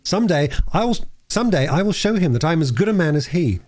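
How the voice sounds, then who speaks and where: A man's voice: on the high side, lively intonation, fairly quick, darkish tone, voice pushed up, close to an everyday voice. Man as a proud, resentful young squire. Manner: sullen, indignant archaic phrasing.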